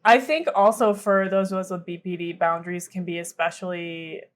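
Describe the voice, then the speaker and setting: A woman's voice: lowish voice, fairly even intonation, moderate pace. A woman panelist and therapist explaining ideas in a thoughtful, conversational way, often checking in with "right?". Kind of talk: casual explanatory discussion.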